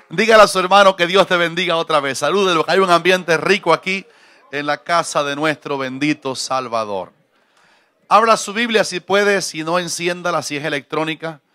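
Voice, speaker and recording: A man's voice: a little high, normal speed, sharp tone. A middle-aged man from Cuba, a visiting pastor preaching a jovial sermon in church on a handheld mic. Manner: jovial, preacherly, joking with congregation.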